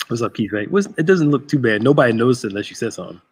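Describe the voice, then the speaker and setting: Husky-voiced man in his thirties, joking host. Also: medium pitch, expressive, fast talker. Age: 30s. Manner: joking, chatty, greets viewers by name. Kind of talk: casual livestream chat.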